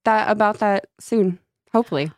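A woman's voice: mid-range voice, normal speed, no room sound, studio quality. A woman with a slight Midwestern accent co-hosting a podcast in casual chat, laughing often and playing with word sounds, a faint whistle from her braces. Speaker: podcast co-host. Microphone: studio microphone.

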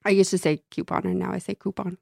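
Her low-ish voice moves quickly with little pitch change, some vocal fry, and a slightly mellow quality. This Midwestern-accented podcast co-host chats casually, laughing often, playing with word sounds, braces faintly whistling, all on a studio mic with no echo.

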